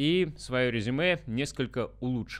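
A man speaks against a quiet background. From Russia. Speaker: YouTuber, management consultant; education YouTuber. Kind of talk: tutorial. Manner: casual, with filler sounds. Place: home room. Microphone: studio mic.

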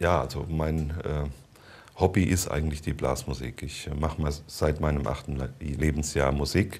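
Flat and monotone, a man's very deep, low voice has vocal fry and keeps a moderate pace. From Palatinate, Germany; Germany. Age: 50s. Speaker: municipal mayor and candidate; municipal mayor, candidate. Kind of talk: candidate interview. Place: studio. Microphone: lapel.

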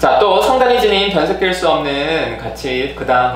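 A man with a fairly high voice talks at a moderate pace with very wide pitch swings, over light background noise and audible room echo. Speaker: psychological counselor leading a study group. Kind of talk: study group discussion. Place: meeting room. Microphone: camera far.

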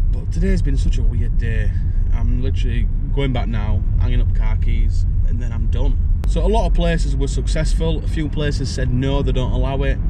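Over loud background noise, a man talks at a fairly quick pace, and the sound is dry with no echo. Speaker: bus driver vlogger. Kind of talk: casual vlog chat. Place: car. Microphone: phone near.

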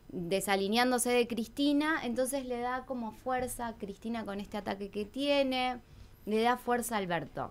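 This woman's voice sits high in pitch. It varies in an ordinary way. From Argentina. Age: 30s. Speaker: political commentator. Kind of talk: radio interview. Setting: radio studio. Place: studio. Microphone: studio mic.

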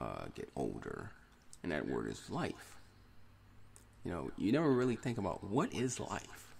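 The man's pitch leaps across a very wide range. He talks at a moderate speed, with vocal fry in his voice. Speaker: podcast host. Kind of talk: casual monologue. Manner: hesitant with fillers.

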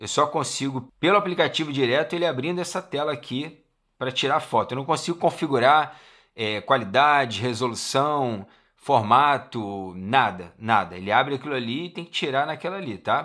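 Bright and sharp in tone, a man with a Brazilian accent speaks in a fairly high pitch with lively intonation, in a very clean recording with a silent background. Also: moderate pace. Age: 30s. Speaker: tech youtuber. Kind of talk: product review. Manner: casual, chatty.

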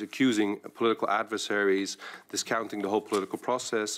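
The voice belongs to a man with a fairly low pitch. He speaks at a moderate pace. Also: quiet background. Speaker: strategic analyst. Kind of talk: expert testimony at parliamentary hearing. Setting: parliamentary committee room. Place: meeting room. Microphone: podium.

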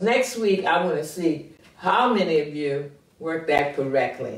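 Audible room echo surrounds a woman speaking at a fairly low pitch and fairly slow pace with lively intonation. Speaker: math teacher. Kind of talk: online math lesson. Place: home room. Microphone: camera far.

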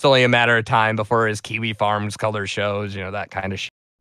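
The tone is bright and sharp, with monotone, flat intonation. The recording is very clean, with a silent background. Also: man. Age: 20s. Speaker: YouTuber. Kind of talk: casual conversation. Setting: call.

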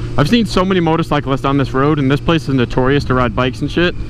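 A man's very fast speech with ordinary pitch variation, dry with no echo, over noticeable background noise. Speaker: motorcycle rider vlogger. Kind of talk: casual vlog chat. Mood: excited, awed. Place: motorbike. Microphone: helmet.

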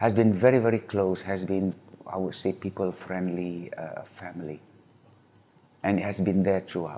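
A man's fairly low, dark, mellow voice at a fairly slow pace. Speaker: interviewee. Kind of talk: interview answer. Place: home room. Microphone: lapel.

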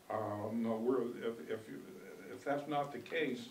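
Over light background noise and audible room echo, a man talks at a fairly slow pace with ordinary pitch variation. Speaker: retired communications professor. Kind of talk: workshop presentation. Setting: meeting room with live audience. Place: meeting room.

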